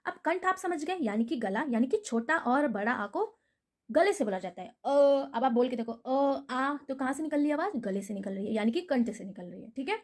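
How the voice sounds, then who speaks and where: A woman with a high voice explains grammar to her viewers in a patient, repetitive teaching manner. She drills memory tricks over and over and poses questions she then answers herself. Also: lively intonation, fast talker. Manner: patient, repeats mnemonics and asks rhetorical questions. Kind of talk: explanatory video lesson.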